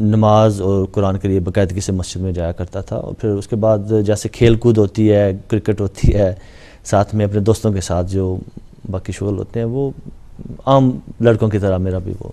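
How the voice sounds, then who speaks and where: This man's voice is dark and mellow, with a fairly low pitch. He talks at a moderate pace with monotone, flat intonation. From Pakistan, Punjab (Sargodha). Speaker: religious convert interviewee. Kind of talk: interview testimony.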